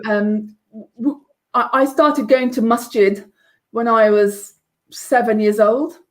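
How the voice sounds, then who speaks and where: A woman of about fifty tells her life story as an interview guest, in an earnest, measured way. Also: a little high, steady tone. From England. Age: around 50. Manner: earnest, measured, with some restarts. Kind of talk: personal testimony in conversation.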